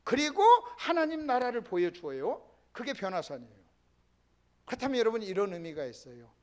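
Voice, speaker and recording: A male pastor with a high-sitting voice and big pitch swings preaches briskly and emphatically. He keeps calling out to his congregation, sometimes dropping into a hushed whisper.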